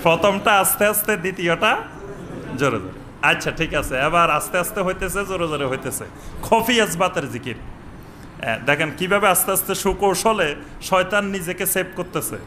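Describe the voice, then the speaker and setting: Male preacher, bright tense voice, chants Arabic lines slowly, faint room noise. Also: high voice, lively intonation. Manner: chants Arabic phrases slowly, questions the audience. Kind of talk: sermon. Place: mosque with upper floor and veranda.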